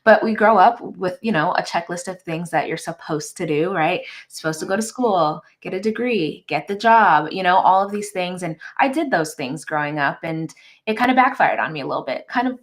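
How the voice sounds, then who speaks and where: Earnest, reflective woman guest who speaks in a lower register, conversational and warm-hearted about her work. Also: animated, normal speed. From Uganda, raised in the United States. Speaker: wealth coach and guest. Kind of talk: guest in an interview.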